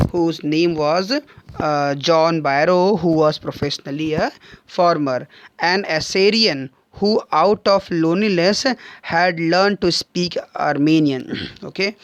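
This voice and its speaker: A man teaching an online English class with an Indian accent, reading a story line by line and paraphrasing it with frequent fillers and throat clearing. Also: a little high, dry recording. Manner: reads a line then paraphrases it, with frequent "okay" and "uh"; clears his throat often.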